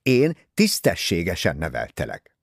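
A man's voice: low voice, huge pitch swings, dry recording, clean studio sound, heavily acted. A man voicing a prim, disapproving older English mother in an audiobook, scolding and easily offended.

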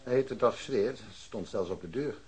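An actor playing a blunt, dismissive police detective in a radio drama, offhand and colloquial. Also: male voice, lowish voice, moderate pace, slightly rough, low-quality recording. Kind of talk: Dutch radio drama acting.

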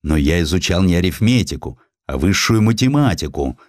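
Guy doing a proud young nobleman navy officer for an audio story, firm and dignified, deep voice, dry recording. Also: very animated, a little fast, no echo. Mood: indignant. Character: proud, determined young aristocratic naval officer.

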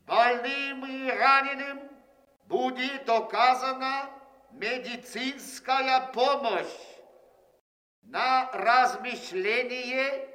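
An actor playing a cold army announcer who declaims an ultimatum in a formal, measured way in a war radio drama. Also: male voice, extremely high pitch, fairly even intonation, exaggerated voice. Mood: cold, official. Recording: echoing loudspeaker, long reverb.

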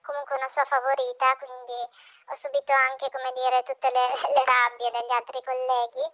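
A freelance journalist, a woman, speaks on the phone through a pitch-shifted voice disguise, giving a calm, measured account with pauses. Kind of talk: phone interview on radio. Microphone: telephone. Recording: muffled phone line.

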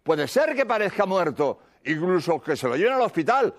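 A priest preaches in a high, strongly rising and falling voice. He repeats his points with earnest insistence and sinks to a soft murmur when he recites prayers. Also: very animated, normal speed. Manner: earnest, repetitive, drops to a hushed murmur for prayers. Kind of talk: sermon.

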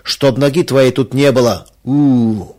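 A man's voice: medium pitch, very animated, fairly quick. A man doing a drunken, raging shoemaker master. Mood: furious. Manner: shouting, hoarse threatening bark. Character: drunken brutal male shoemaker master, furious.

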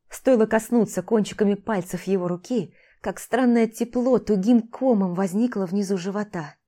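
A woman narrating a first-person fantasy audiobook in a measured, calm reading. Her voice sits in a middling range and sounds warm and mellow rather than bright. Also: medium pitch.

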